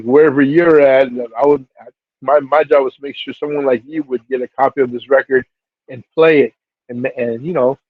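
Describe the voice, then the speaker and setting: A man's voice: medium pitch, dry recording. Laid-back man on a tinny phone line. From Seattle. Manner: laid-back, many fillers, voice jumps up for quoted reactions. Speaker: hip-hop DJ and label figure telling his story. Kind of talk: casual storytelling interview.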